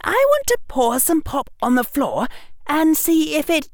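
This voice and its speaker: Man putting on a bright eager schoolgirl voice, bossy, brisk, swooping high, dry close sound. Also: no echo, exaggerated voice. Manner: brisk, excitable, emphatic. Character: eager bossy know-it-all schoolgirl, about eleven.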